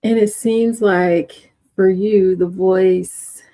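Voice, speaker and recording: A woman's voice: mid-range voice, fairly even intonation, mellow. A woman interviewing a guest, speaking in a thoughtful, affirming way. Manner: slow, affirming, thoughtful questions. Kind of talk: conversational interview.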